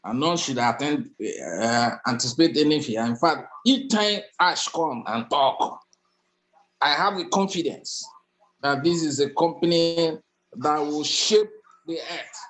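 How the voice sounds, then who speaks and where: A man giving an enthusiastic comment on an online call from a dark room with his camera off, repeating himself for emphasis. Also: a little high, measured pace, rough recording. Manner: enthusiastic, repetitive, with fillers. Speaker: webinar participant. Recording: call audio with faint background noise.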